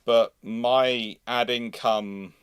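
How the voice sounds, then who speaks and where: A man with a medium-pitched voice hosts a casual live Q&A in a very dry acoustic. He speaks haltingly, repeating phrases and breaking off to rephrase as he goes. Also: steady tone, clean tone, no room sound. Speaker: livestream host. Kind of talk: casual live question-and-answer chat.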